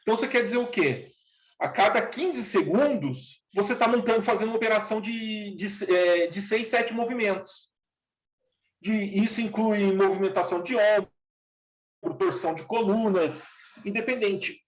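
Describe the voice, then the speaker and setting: A forty-year-old former factory worker gives an earnest, plain-spoken account in a casual interview. His voice sits high and moves at normal speed, captured in an echoey room with dull lo-fi sound.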